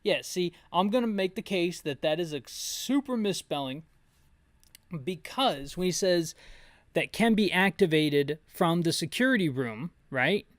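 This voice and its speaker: A man's voice: high voice, expressive, measured pace, fairly bright tone, no room sound. A man giving casual, jokey, opinionated video game commentary, rambling as he narrates the action as the host of a playthrough. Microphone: close mic, bumped now and then.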